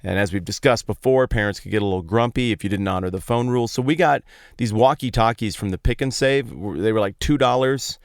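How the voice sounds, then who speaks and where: Clear-voiced American man, casual podcast host. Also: fairly low pitch, a little fast, no echo, clean studio sound. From Colorado, United States. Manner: playful, animated emphasis, colloquial phrasing. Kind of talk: casual conversational Bible talk, storytelling monologue. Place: inside a parked truck outdoors on a street.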